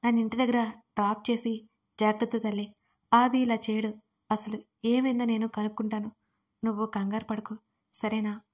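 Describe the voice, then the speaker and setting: A kind, fatherly older man who speaks in a gentle, reassuring way. A woman storyteller reads his lines without much change from her own voice. The voice sits a little high and stays fairly level. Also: flat delivery, moderate pace, pauses often, close to an everyday voice. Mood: soothing.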